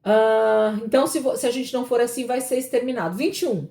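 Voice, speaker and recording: A woman's voice: a little high, fairly quick, creaky, mellow. Woman teaching a Bible class. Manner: explanatory, checks in with frequent tag questions.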